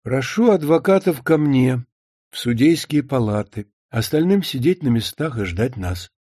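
A man reading the part of a weary middle-aged judge who speaks with measured, quiet authority. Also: medium pitch, animated, no room sound, studio quality, lightly acted. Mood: firm.

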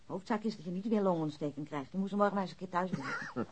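A woman's voice: lowish voice, quick pace, background noise, lightly acted. An actress playing a middle-aged policeman's worried, nagging wife in a naturalistic radio drama. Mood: scolding. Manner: scolding, fussing.

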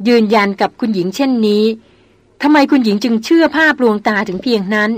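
A woman doing a calm, gentle male hunter. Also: a little high, brisk, no echo, natural voice. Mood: reasoning. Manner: gentle, soothing, reasoning. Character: calm, protective male big-game hunter.

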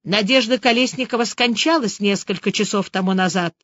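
A woman's voice: mid-range voice, a little fast, a bit bright, dry recording, dull audio, natural voice. A woman reading an audiobook, voicing a curt, commanding male police lieutenant who speaks drily. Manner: dry, commanding.

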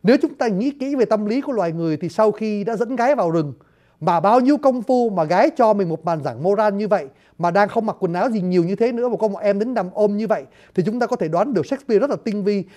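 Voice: medium pitch, lively intonation, fast, dark tone. A storyteller explaining a stage play to listeners in a chatty, joking way, often addressing them directly. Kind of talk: lively spoken commentary to listeners.

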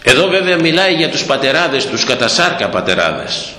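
A man delivers a sermon in an emphatic, repeating preacher's cadence, his pitch swinging widely from line to line. His slightly hoarse voice has a bright, forceful edge. The sound rings with long reverb, as if from a large hall. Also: very animated. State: hoarse throat. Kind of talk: sermon on scripture.

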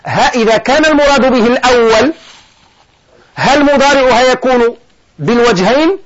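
A man's voice: very high voice, normal speed, highs cut off. A man teaching a lesson on verb forms, who questions his students and answers himself. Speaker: sheikh teaching Arabic morphology. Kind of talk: classroom lesson explaining a grammar poem.

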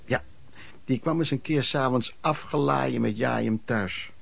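Mid-pitched storyteller recalling his youth. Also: a little slow, creaky, crowd noise. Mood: reminiscing. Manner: conversational storytelling. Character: former street peddler recounting his youth, frank. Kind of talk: first-person radio play narration.

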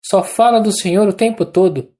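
A narrator with a Brazilian accent voicing a kindly middle-aged midwife, speaking in a warm, reassuring tone with a raised voice. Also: mid-range voice, normal speed, voice pushed up, lightly acted. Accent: Brazilian Portuguese.

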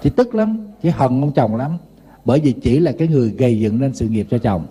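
Southern Vietnamese monk, middle-aged man, very dark tone, storytelling sermon. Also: medium pitch, fairly quick, slightly rough. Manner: lively anecdotal storytelling with humor. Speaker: Buddhist monk preacher.

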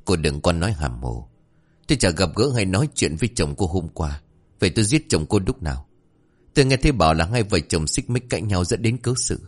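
A man voicing a cold, menacing rich old male moneylender who talks low and sneering. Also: expressive, a little fast.

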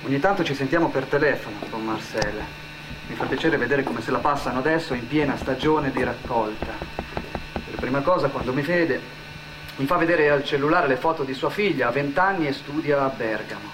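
A man's voice: mid-range voice, fairly quick, noisy background. A man delivering an emotive, scripted dramatic monologue, repeating phrases as a storyteller would on stage. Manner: emotive, addressing an absent person as "you", repeating phrases. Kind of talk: dramatic scripted narration, theatrical monologue over music. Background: music.

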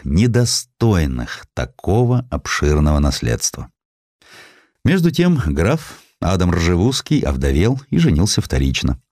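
A man narrating a historical literary audiobook in a measured, expressive, dramatic storytelling manner. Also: low-pitched, no echo, studio quality.

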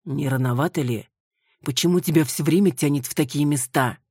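A woman's voice: low voice, fairly quick, darkish tone, slightly rough, no echo. Brief: laconic man, as a woman reader puts him on, short curt phrases, dry sound. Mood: terse. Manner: laconic, clipped. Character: terse, decisive man Ruslan.

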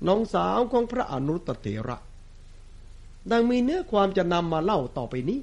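A man's voice: sits high, very animated, normal speed, darkish tone. A male Buddhist monk giving a sermon, telling a scripture story expressively to the lay congregation.

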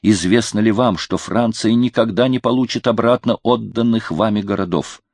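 A man's voice: lowish voice, normal speed, a little mellow, no echo, clean studio sound. A man voicing a devout, loyal counselor pleading fervently with his friend, in an audiobook reading. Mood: reproachful.

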